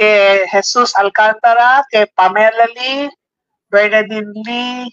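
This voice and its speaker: Over music in the background, a woman speaks at a very slow pace, her fairly high pitch held in a fairly even intonation. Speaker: radio host. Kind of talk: casual chat. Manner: halting.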